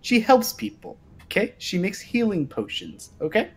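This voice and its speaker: A man chats as a player in a tabletop game. His fairly high voice moves in very lively swings, and he keeps a casual, playful, joking manner. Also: normal speed, slightly rough. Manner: animated, playful. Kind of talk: casual, joking gamer banter.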